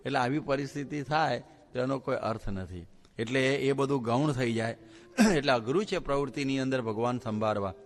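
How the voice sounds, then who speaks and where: A man, a Hindu monk, giving a religious discourse in an animated storytelling manner, acting out the lines of the people in his stories. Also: mid-range voice, moderate pace. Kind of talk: sermon with storytelling. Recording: long hall reverb with faint music.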